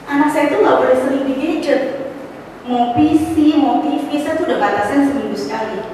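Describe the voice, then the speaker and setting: A middle-aged woman giving a personal testimony at a church fellowship, telling her story with lively exclamations and casual asides, with a slight cough. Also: high-pitched, a little fast, slight background noise. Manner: animated storytelling, rising to exclamations; mixes in casual slang and english words. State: has a cough. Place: church hall. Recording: echoey hall, voice from far off.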